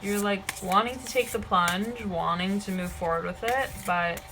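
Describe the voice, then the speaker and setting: A woman with a slightly hoarse voice gives a tarot reading to her viewers, meandering and checking in with "okay?" and "right?". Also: medium pitch, moderate pace, noisy background. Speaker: tarot reader.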